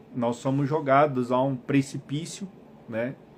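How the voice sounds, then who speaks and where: A man at a fairly high pitch and fairly slow pace. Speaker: spiritual self-help speaker. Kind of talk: live-stream talk. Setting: Instagram live stream. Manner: soft-spoken; halting.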